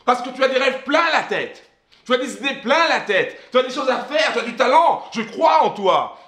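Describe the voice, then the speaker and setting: A man's voice: high voice, a bit bright. Emphatic French-speaking man, echoey room. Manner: emphatic, repetitive, frequent restarts. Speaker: self-help vlogger. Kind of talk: direct-to-camera motivational talk.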